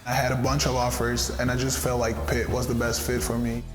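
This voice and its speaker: Young Italian-born man, flat, roomy. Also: mid-range voice, fairly quick, over music. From Italy. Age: young adult. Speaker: college football player. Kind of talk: interview testimonial.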